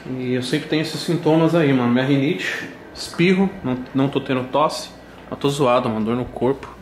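A man's voice: mid-range voice, brisk, a little hiss or hum, poor audio. Slangy young man vlogging. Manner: slangy, upbeat, talks to camera. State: stuffy with a cold. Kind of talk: casual vlog. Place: house indoors and street. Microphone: handheld camera at arm's length.

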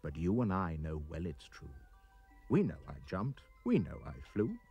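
A man reading a rhyming children's poem aloud as an expressive storyteller. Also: normal speed, breathy edge, dull audio, soft background music. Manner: expressive storyteller, swooping pitch. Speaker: reader.

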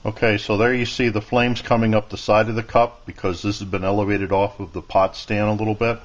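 A man with a fairly low voice talks through a demonstration step by step in a plain, unhurried way. He is at a workbench in a home workshop, caught by the camera's own mic off screen. The sound is dull and lo-fi. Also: little pitch movement. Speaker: outdoor gear video maker. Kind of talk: casual hands-on demonstration.

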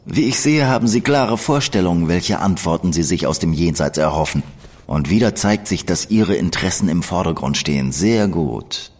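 A man playing a sinister male spirit medium in a radio play, speaking smoothly and soothingly with a menacing edge. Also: sits low, normal speed, a little mellow. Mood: cold.

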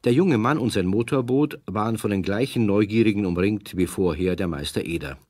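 A man's voice: lowish voice, fairly quick, darkish tone, dry recording, studio quality, natural voice. A man narrating a children's radio play as a scripted storyteller.

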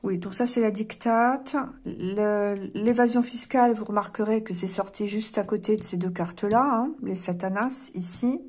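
A woman's voice: medium pitch, normal speed, few pauses, a little mellow, breathy edge. A woman lays out oracle cards and chats through them with her viewers. Her talk is loose and wry, full of fillers and small jokes. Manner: chatty, wry asides, many fillers. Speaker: card reader. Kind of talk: casual tarot-style card reading.

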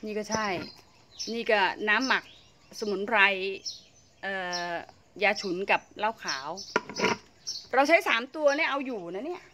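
A woman's voice: fairly high pitch, animated, unhurried, long pauses. A woman talks her way around her home vegetable garden in a casual, chatty way, often exclaiming over what she finds. She is outdoors, with faint background noise and birds chirping around her. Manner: chatty, exclaims and laughs while showing plants. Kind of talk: casual garden tour vlog.

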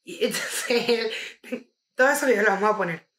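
A young Venezuelan woman co-hosting a podcast, telling stories in animated, slangy casual chat with plenty of swearing. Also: medium pitch, fairly quick, reverberant. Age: young adult. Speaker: podcast co-host.

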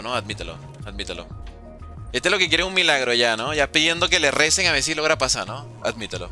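A man streams a game and jokes with his chat in a high, bouncy voice that leaps up and down as he talks. His tone is playful and teasing, and music plays clearly behind him. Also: pushed and bright. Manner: joking, teasing chat with slang. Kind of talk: casual live-stream chat while gaming.

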